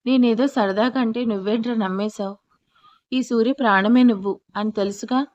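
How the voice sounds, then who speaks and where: A woman's voice: fairly high pitch, steady tone, normal speed, darkish tone, no echo, dull audio, close to an everyday voice. Teasing young husband in a romance audio story, put on by a woman narrator: playful, fond, light voice. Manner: teasing, then apologetic.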